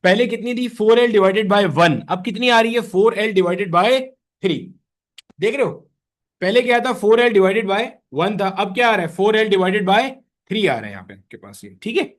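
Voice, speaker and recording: A man's voice: high-pitched, measured pace. A man teaching a physics lecture, asking questions and answering them himself in a conversational way. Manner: conversational, answers his own questions in students' voices. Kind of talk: classroom lecture.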